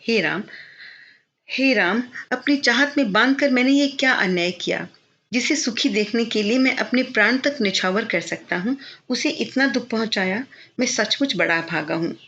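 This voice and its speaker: A woman's voice: fairly high pitch, moderate pace, fairly bright tone. A woman reading the lines of a remorseful, lovesick young male student, pleading with himself in anguish. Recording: slightly dull lo-fi recording.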